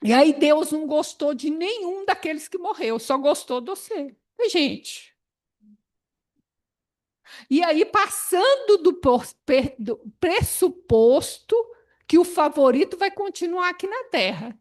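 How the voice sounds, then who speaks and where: A woman, leading a spiritist study group in an animated, expressive way. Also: high-pitched, takes it slowly. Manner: animated, expressive, laughs often. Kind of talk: spiritist Bible study talk.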